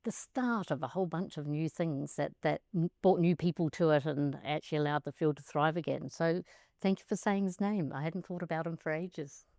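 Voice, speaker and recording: Deep-voiced woman co-host, dry close sound. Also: brisk, no room sound. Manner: warm, chatty and teasing, rising pitch when she asks questions. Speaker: co-host, accounting academic. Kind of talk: conversational podcast chat. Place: outdoors by a pool.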